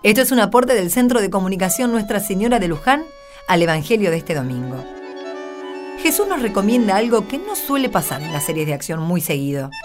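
A woman narrates a radio drama. Her delivery is very animated and playful, speaking straight to listeners, at a middle pitch. Music plays clearly behind her. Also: a little fast. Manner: playful storytelling, addresses listeners.

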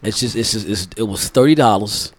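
A man's voice: on the low side, brisk, a loud crowd. A man hosting a podcast, a little congested, trading playful slangy banter in casual chat. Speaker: podcast host.

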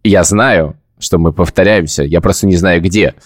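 A man's voice: sits low, normal speed. A man hosting a podcast, chatting casually and telling long, self-ironic stories. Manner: rambling, self-ironic storytelling. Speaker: podcast host.

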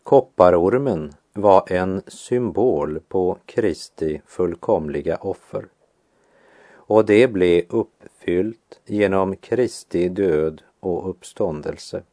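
Deep-voiced man reading a devotional. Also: mellow, no room sound. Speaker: devotional speaker. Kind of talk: read devotional teaching.

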